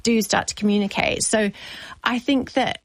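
A woman's voice: on the high side, fairly even intonation, normal speed, dry recording, low-quality recording. A woman, a novelist talking in a reflective radio interview, effusive and thinking aloud with many asides. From New Zealand.

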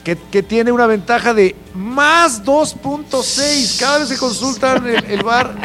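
A man's voice: extremely high pitch, measured pace, pushed and bright, faint music behind. A man with a Mexican accent, co-hosting a sports panel, reading out statistics and adding dry quips. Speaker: sports show co-host. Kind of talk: studio panel chat.

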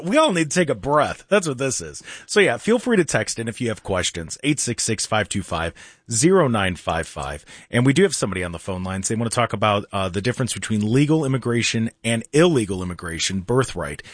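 Husky, animated male radio host. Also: mid-range voice, no room sound. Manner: chatty, laughs while talking. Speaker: radio talk show host. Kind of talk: talk radio hosting.

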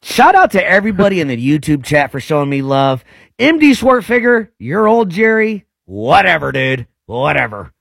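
Playful forties male co-host, gravelly, lively delivery, dry close sound. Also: on the high side, moderate pace, no room sound. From United States. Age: 40s. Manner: playful, joking. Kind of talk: casual radio chat. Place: radio studio.

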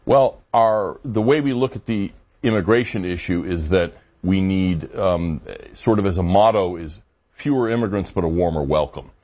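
Very low man, think tank guest, measured answers, slightly dull broadcast sound. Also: dark tone. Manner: measured, hedging with fillers. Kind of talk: interview answers.

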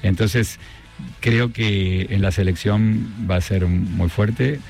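Low gravelly man with Argentine accent. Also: fairly even intonation, slow, a little mellow, faint music behind. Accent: Argentine Spanish. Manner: hesitant, many restarts and fillers. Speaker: guest. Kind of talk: casual interview chat.

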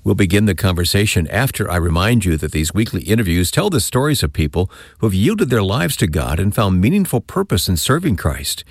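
A man's voice: sits low, big pitch swings, fairly quick, hardly any pauses, slightly rough, no room sound, studio quality. A man who hosts a radio interview show, introducing his guest and chatting with her and laughing along. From Michigan.

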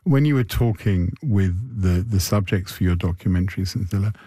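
Low, mellow-voiced male interviewer. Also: dry recording, studio quality. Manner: conversational, reflective, halting restarts. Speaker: interviewer host.

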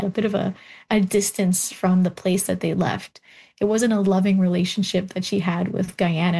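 Animated woman historian telling stories. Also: medium pitch, creaky. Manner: warm, animated storytelling, laughs often. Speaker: historian, guest. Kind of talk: interview.

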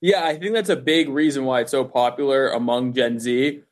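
A man's voice: mid-range voice, normal speed. A young American man giving casual interview answers in informal, slangy speech peppered with "like". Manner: informal, youthful slang, frequent "like". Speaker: interview guest, event host.

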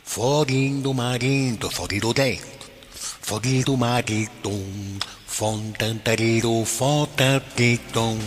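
A man's voice: mid-range voice, takes it slowly, natural voice. A man voicing a cheerful male song inventor who hums tunes in made-up syllables. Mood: singsong. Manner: hums melodies in nonsense syllables. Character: nonsense-singing male song inventor, chirpy. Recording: reverberant with music behind.

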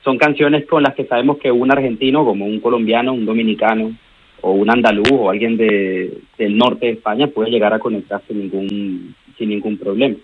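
A man's voice: lowish voice, steady tone, normal speed, breathy edge. A man from Venezuela, a band member answering radio interview questions in a reflective way, searching for words. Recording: tinny phone-like radio sound.

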